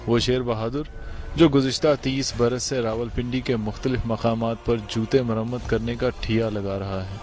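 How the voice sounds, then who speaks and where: A man's voice: mid-range voice, fairly even intonation, normal speed, over music. A male reporter reading a formal news voice-over in polished Urdu.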